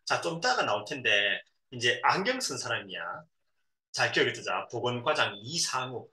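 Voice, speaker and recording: In a sharp, sing-song voice of medium pitch, a middle-aged father reads a novel aloud to his son. After each passage he frequently pauses to explain words simply and performs the quoted dialogue. There's roomy echo, faint noise, and some distance from the mic.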